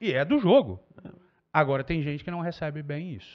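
The background is quiet as a man talks, his intonation lively. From Rio de Janeiro, Brazil. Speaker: sports journalist. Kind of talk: casual chat. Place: studio.

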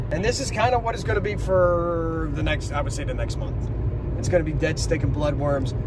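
Over loud background noise, a man speaks in a dry sound with no echo. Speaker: fishing vlogger. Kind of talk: casual vlog chat. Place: car. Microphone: phone near.

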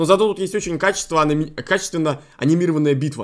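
Against a quiet background, a man talks at a very fast pace. His tone is bright and sharp. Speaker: reaction video creator. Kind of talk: casual reaction commentary.

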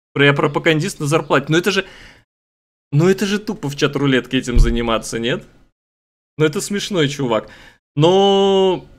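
A man's fairly high-pitched voice at a moderate pace, lively in intonation and broken by long, frequent pauses. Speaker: chat roulette streamer. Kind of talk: casual debate in video chat roulette. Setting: video call. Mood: amused, incredulous. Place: home room.

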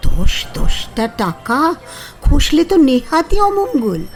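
A put-on character voice speaks at a fairly slow pace. Clear music plays in the background. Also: woman, high pitch for a woman. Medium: audio drama. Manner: scolding, incredulous.

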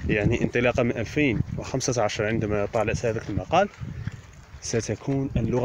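Noticeable background noise sits behind a man speaking at a moderate pace with ordinary pitch variation, in a dry sound with no echo. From Algeria. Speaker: language teacher. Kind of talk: casual explanatory talk to camera. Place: open country. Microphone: phone near.

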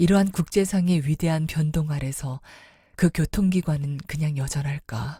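In a very clean recording with a silent background and a dry, close sound free of echo, a woman with a very deep, low voice speaks at a fairly slow pace in a dramatic, theatrical way, somewhat breathy and dark and mellow in tone. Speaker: audiobook narrator. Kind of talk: dramatic narration, reading a story aloud with character voices. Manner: expressive, shifts tone between characters and narration; dramatic, theatrical pacing in emotional scenes.

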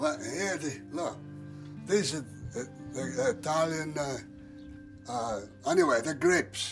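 Over clear background music, a man speaks fairly slowly with a fairly high pitch and lively intonation. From Italy. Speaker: farmer. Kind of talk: interview answer. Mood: warm, proud, animated. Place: garden.

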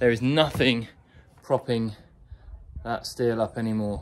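Fairly slow, fairly even speech from a man with a fairly low pitch. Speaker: homeowner vlogger. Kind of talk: casual vlog chat. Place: garden. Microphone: phone near.

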